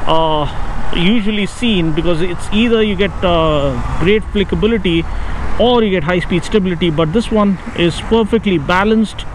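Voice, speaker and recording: A man's voice: high-pitched, normal speed. A man riding a motorcycle through city traffic, giving enthusiastic motovlog commentary with many filler sounds. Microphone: helmet-mounted action camera. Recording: loud road and engine noise.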